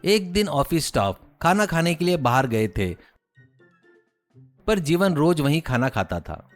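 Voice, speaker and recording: High-pitched, animated Indian male storyteller. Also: unhurried, soft background music. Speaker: story narrator. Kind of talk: scripted moral story narration for a cartoon.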